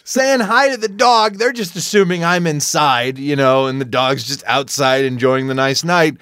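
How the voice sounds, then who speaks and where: A man's voice: a little high, normal speed, fairly bright tone, clean tone, no echo. A man co-hosting a podcast, telling a story in a casual chat, laughing often and acting out other people's lines. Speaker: podcast co-host.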